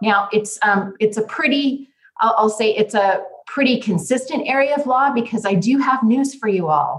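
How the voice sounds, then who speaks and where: A woman with an ordinary speaking voice talks at a moderate pace and fairly high pitch, with ordinary pitch variation and very even loudness. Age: 50s. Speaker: estate planning attorney. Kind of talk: podcast interview.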